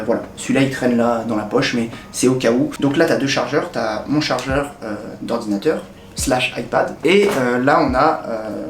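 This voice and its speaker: A young French man in a casual vlog, chatting directly to the viewer in a relaxed way with many hesitations. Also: mid-range voice. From France. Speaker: vlogger. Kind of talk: casual talk to camera. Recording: echoey room with faint ambient noise.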